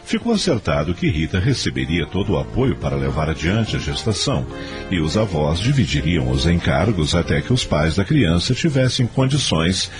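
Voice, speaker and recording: A Brazilian man narrates a radio drama. His voice is low and his intonation animated, with faint music underneath. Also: moderate pace.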